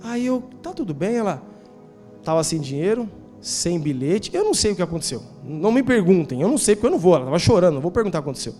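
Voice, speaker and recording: High-voiced Brazilian pastor preaching. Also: male voice, big pitch swings, fast, mellow, faint music behind. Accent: Brazilian Portuguese. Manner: conversational storytelling with rhetorical questions, slangy asides. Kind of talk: sermon. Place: church.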